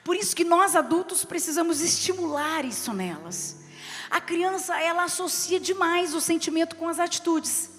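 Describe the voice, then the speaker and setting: A woman with a Brazilian Portuguese accent preaches a sermon in a high, bright voice. She reads scripture aloud, then explains it with stories from her own family. Her voice rings through a reverberant church hall with soft music behind it. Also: moderate pace. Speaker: bishop preaching.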